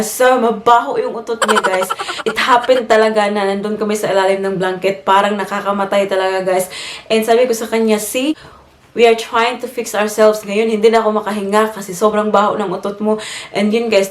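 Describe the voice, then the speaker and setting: A woman's voice: medium pitch, echoey room. A Filipino woman chatting casually to her vlog audience, mixing English into Tagalog, a bit congested from a cold. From Philippines. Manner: chatty, mixes English into Tagalog, laughs while telling stories. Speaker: vlogger. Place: home, indoors.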